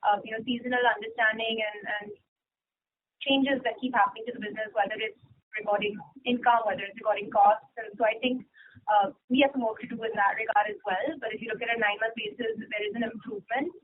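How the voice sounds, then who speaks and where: A woman's voice: fairly high pitch, fast. A woman speaking as a company executive, explaining figures to analysts on an earnings call. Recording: noisy narrow phone line.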